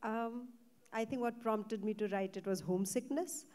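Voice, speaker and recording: A woman from Nepal, a novelist being interviewed on a festival stage, talking reflectively with pauses and fillers. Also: on the high side, darkish tone. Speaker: novelist, guest. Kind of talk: literary panel interview.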